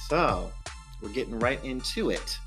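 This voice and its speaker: A man's voice: medium pitch, lively intonation, fairly bright tone, soft background music. Laid-back man in his thirties, chatty. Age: 30s. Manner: playful, drawn-out storytelling with frequent ums. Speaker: podcast co-host. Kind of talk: casual chat.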